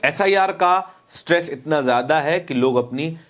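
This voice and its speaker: A man's voice: on the high side, moderate pace, fairly bright tone. A man presenting opinionated news commentary, speaking emphatically with repeated phrases and rhetorical questions.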